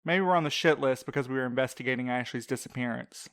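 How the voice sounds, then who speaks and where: A man's voice: mid-range voice, fast, a bit bright, clear, resonant tone, no room sound, clean studio sound, close to an everyday voice. A man playing a snarky, wisecracking young sidekick in an audio drama, casual and sarcastic. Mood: sardonic. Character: Milo, snarky, wisecracking, caffeine-bribed young male sidekick.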